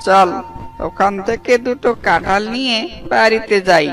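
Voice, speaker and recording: A man's voice: high voice, moderate pace, a bit bright, faint music behind. A man voicing a foolish, hapless male jackal in a cartoon, with a fretful, whiny way of talking. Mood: despairing. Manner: fretful, lamenting.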